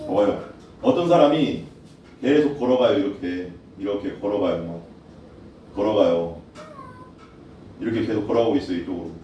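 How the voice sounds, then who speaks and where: A man's voice: fairly low pitch, normal speed, pauses often, mellow, lo-fi sound, slight background noise. A man preaching a sermon as pastor, talking conversationally and putting questions to his congregation. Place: church hall. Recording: echoey hall, voice from far off.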